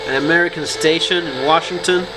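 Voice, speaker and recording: Higher-pitched man giving a casual, halting demo. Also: noisy background. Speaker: survivalism video host. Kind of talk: casual product demonstration talk.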